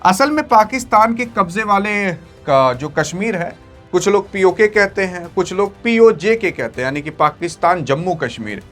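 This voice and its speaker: A high-pitched man delivers online news commentary in an emphatic, dramatic way, pressing each point on his listeners. Faint music runs softly under his voice throughout. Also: animated, normal speed. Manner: dramatic, emphatic, talks straight to viewers. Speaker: news video host. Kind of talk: excited news commentary to camera.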